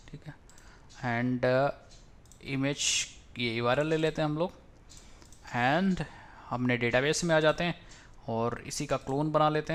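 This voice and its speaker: A man's voice: medium pitch, a bit bright. A man teaching web coding in a screen-recorded tutorial, talking casually and thinking aloud as he mixes in English technical terms.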